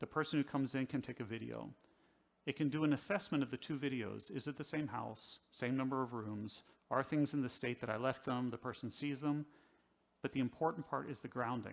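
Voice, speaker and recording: A man talks at a fairly quick pace in an ordinary speaking voice, medium in pitch with fairly even intonation. The recording is very clean, with a silent background. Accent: American. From US. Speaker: tech company executive. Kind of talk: conference keynote.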